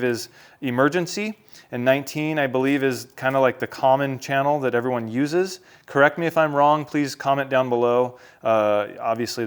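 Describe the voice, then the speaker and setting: A man's voice: medium pitch, clean tone. An American man talking casually to viewers as a vlogger, in an unboxing and how-to style. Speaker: vlogger reviewing a product.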